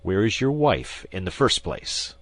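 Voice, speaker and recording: A man voicing a stern, pompous police commissary who interrogates forcefully. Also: lowish voice, sing-song, unhurried, no room sound, heavily acted.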